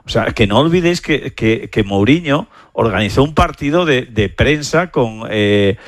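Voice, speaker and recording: Galician football pundit, halting repeats. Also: male voice, medium pitch, animated, dry recording, studio quality. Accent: Galician Spanish. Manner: hesitant, repeats words. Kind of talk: casual panel talk.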